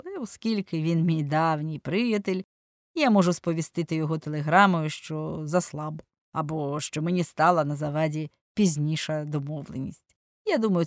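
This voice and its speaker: A woman's voice: sits low, no room sound, studio quality, natural voice. A woman voicing a languid, ironic English lord. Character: languid witty aristocratic Englishman, middle-aged.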